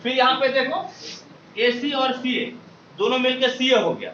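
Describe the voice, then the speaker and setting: Male maths teacher, very high and bright, recorded from a distance in a roomy classroom; drills the class call-and-response style. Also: animated, unhurried, dull audio, a little hiss or hum. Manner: quizzes students, repeats questions, calls them babu and beta.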